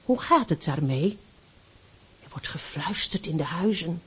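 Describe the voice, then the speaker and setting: A woman reads a story aloud at a slow, deliberate pace. Her voice is breathy and soft-edged. Her pitch moves widely with the drama of the story. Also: lively intonation. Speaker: story reader.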